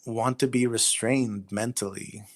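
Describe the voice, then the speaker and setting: A man's voice: medium pitch, fairly even intonation, unhurried. A man speaking as an interviewed writer in a casual, earnest, plain-spoken and matter-of-fact way.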